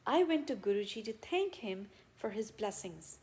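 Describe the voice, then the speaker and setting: A woman reading a written devotional account aloud as narration, in measured phrases with frequent pauses. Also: medium pitch, sing-song, a little mellow. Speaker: reader of devotional testimonials.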